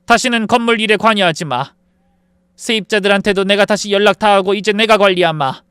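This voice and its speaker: A man voicing a furious woman in her sixties who scolds her son and daughter-in-law in sharp demands, in a dramatized story reading. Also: sits high, fairly quick, smooth, no room sound, studio quality, voice pushed up. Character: furious older woman, a landlord mother.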